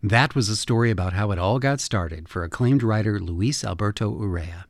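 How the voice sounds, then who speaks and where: A male radio host and producer reading announcements and credits in a measured, formal way. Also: fairly low pitch, no echo, studio quality.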